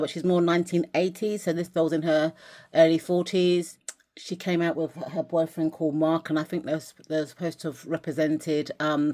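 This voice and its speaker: A woman from England with a low voice talks through her collection in a relaxed vlog. She rambles a little, doubling back and restarting as she goes. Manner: chatty, rambling with restarts and fillers. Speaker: vlogger. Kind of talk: casual chat, showing dolls and journal.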